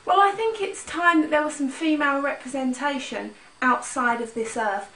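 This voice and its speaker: A woman's voice: high-pitched, moderate pace, a bit bright, slight background noise. A woman playing an assertive feminist lecturer. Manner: assertive, opinionated. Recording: echoey room, mic far off.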